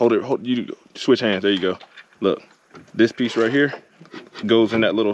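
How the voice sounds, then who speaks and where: The speaking goes at a moderate pace. The sound is dry with no echo, over light background noise. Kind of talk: casual instructions. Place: open country. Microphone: phone near.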